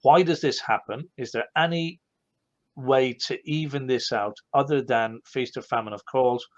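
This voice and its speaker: Casting: male host with an Irish accent, chatty and animated, dull lo-fi video-call sound. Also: medium pitch, normal speed. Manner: animated, rambling, self-correcting. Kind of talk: live online Q&A chat.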